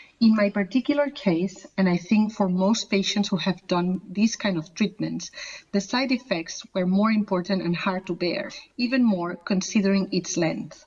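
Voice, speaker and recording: A woman speaks at a moderate pace and medium pitch with ordinary pitch variation. Her voice is somewhat breathy. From Spain. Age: 70s. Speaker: retired doctor and patient. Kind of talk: conference talk. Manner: formal.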